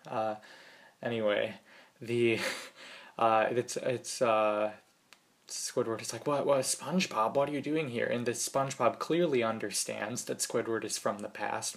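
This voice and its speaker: A man's voice: mid-range voice, fairly even intonation, a little slow, creaky. A man co-hosting a podcast in casual chat, analytical and a bit hesitant, laughing often. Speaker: podcast co-host.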